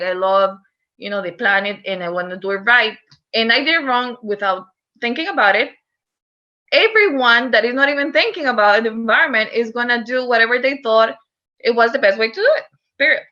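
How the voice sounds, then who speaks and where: Speaking a little fast at a fairly high pitch, this recycling educator from Costa Rica has a bright, forceful tone. She delivers an earnest online talk with a Costa Rican Spanish accent and frequent fillers, though the audio is muffled.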